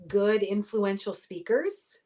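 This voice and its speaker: A middle-aged woman, a voice pathologist, giving clear explanatory interview answers full of sports analogies. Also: mid-range voice, lively intonation, slow pace, mellow. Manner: articulate, explanatory, uses athletic analogies. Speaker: voice pathologist guest.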